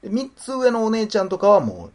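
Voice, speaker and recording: A man's voice: sits high, wildly swooping pitch, a little fast, a crowd in the background. A man with a Kansai accent co-hosting a podcast in casual chat, joking and slipping into playful voices. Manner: jokey, slips into playful put-on voices. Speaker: podcast co-host.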